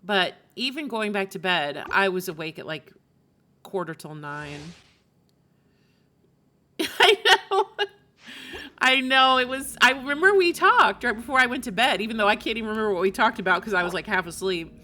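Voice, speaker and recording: A woman's voice: mid-range voice, normal speed, bright, forceful tone. A woman livestreamer chatting casually with her viewers while she plays a game.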